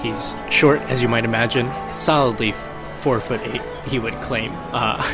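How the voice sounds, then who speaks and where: Male tabletop player, mid-range voice, measured and drily understated, music behind. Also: medium pitch, steady tone. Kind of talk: describing his roleplaying character. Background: background music.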